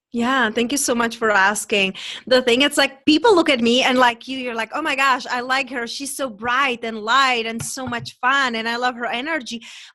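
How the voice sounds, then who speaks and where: Speaking with a Czech accent at a moderate pace with hardly any pauses, a woman uses a high pitch, fairly even intonation and a bright, sharp tone. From Czech Republic. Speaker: meditation teacher and coach. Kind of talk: interview.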